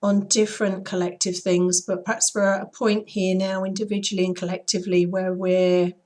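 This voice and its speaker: A woman with a husky, throaty voice, hoarse after being ill, who talks softly and without hurry. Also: medium pitch. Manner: soft, unhurried, intoning. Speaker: spiritual healer. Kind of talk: slow chanted healing invocation; casual chat to viewers.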